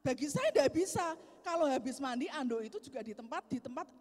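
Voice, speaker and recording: Lively loud woman preaching in a hall. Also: high-pitched, a little fast. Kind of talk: sermon. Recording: echoey hall.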